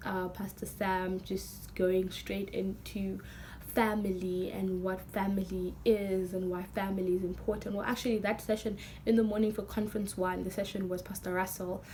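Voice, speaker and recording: A young woman with a hoarse, nearly lost voice, talking excitedly and rambling with many fillers in a casual vlog. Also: mid-range voice, slight background noise, rough recording. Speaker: vlogger.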